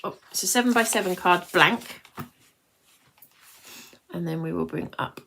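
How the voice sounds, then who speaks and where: A British woman of nearly fifty presents a craft tutorial in a slightly low-pitched voice. She talks casually and wanders between instructions and chat with viewers. There is some light noise behind her. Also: a little slow, gravelly, a bit bright. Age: late 40s, nearly fifty. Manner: chatty, rambling, breaks off to greet viewers.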